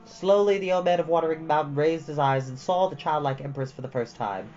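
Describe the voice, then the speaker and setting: A man reading a storybook aloud as host, with expressive narration and the odd casual aside. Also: on the high side, brisk, muffled recording, soft background music.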